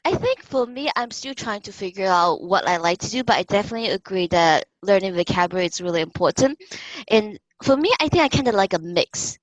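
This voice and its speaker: A woman's voice: mid-range voice, lively intonation, no echo, dull audio. Upbeat woman teacher, voice bouncing all over, dry close sound. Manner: upbeat, enthusiastic, quick to react. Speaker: online language teacher and blogger. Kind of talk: casual video-call interview.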